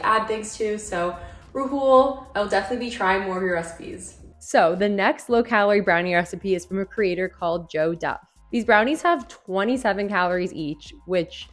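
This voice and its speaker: A young woman hosts a food vlog in a casual, chatty way. Her voice sits at a medium pitch, and she moves informally between recipe steps and opinions, often dropping in "like" as a filler. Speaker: food vlogger and host.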